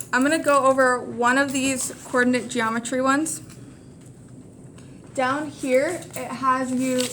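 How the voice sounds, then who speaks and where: A high-pitched woman's voice comes through with audible room echo and noticeable background noise. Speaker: math teacher. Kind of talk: classroom lecture. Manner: fast.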